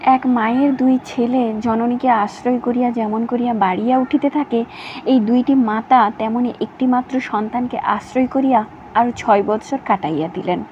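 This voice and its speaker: A woman storyteller reading a classic novel aloud in an even, measured way, in a slightly dull recording with faint hiss. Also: a little high.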